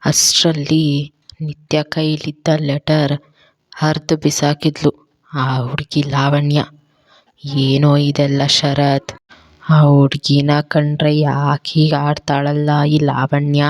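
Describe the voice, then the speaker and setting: A woman voicing a kindly old grandmother who speaks slowly and sorrowfully. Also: low voice, flat delivery, no room sound, studio quality. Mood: sad. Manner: slow and sorrowful.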